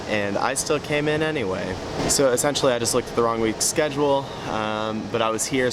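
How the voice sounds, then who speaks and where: Low-voiced young man vlogging casually. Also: background noise. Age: 20s. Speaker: student athlete vlogger. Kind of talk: casual vlog to camera.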